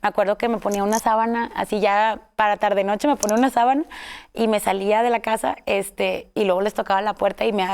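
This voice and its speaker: A woman's voice: mid-range voice, a little mellow, clear, resonant tone. A woman with a Mexican accent, telling her own story in a casual interview, rambling with many fillers and self-corrections. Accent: Mexican Spanish.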